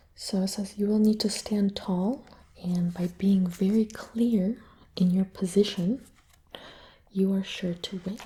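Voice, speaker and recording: A soft-spoken woman with a relaxed, dark, mellow tone talks at a medium pitch and a fairly slow pace, somewhat breathy, her intonation fairly even. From Belarus-born, raised in Colorado, US. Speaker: ASMR tarot reader and reiki practitioner. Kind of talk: tarot reading, casual talk to camera. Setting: ASMR recording with tapping sounds. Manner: soft-spoken, relaxed.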